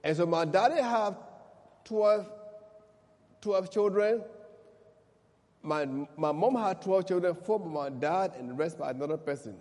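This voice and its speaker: A man from Liberia with a Liberian accent, a pastor praying and giving his testimony, speaking slowly and deliberately. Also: high-pitched, expressive, darkish tone. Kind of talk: prayer and testimony sermon. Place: church service. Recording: echoey church hall.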